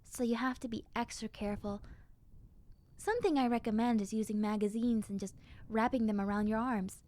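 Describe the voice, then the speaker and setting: A woman plays a friendly young zombie girl with a highish, girlish voice. She chats casually and directly to the listener, like a lonely survivor glad of company in an audio roleplay. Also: brisk, a little mellow, lightly acted. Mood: reflective, chatty. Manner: casual, chatty, conversational, girlish.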